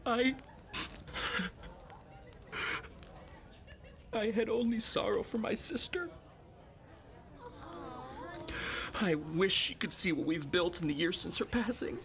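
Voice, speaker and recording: A man playing an earnest, excitable village brother in an audio drama, prone to stammering when worked up. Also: sits high, moderate pace. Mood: sorrowful.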